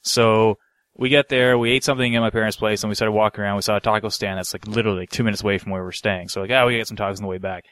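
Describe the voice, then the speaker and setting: A man's voice: lowish voice, fairly even intonation, rapid-fire, a bit bright, smooth, no echo. A man co-hosting a podcast, telling anecdotes in a casual, slangy, rambling way with some swearing. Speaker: podcast co-host.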